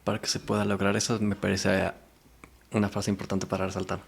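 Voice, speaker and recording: A man's voice: low voice, completely flat delivery, a little fast, creaky, husky. A man hosting a podcast, asking probing questions in casual interview chat. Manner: attentive, with short backchannels and probing questions. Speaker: podcast host.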